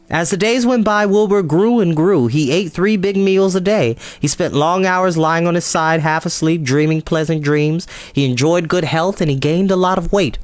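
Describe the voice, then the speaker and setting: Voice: medium pitch, no room sound. A storytime host reading a children's book aloud and explaining it to young listeners.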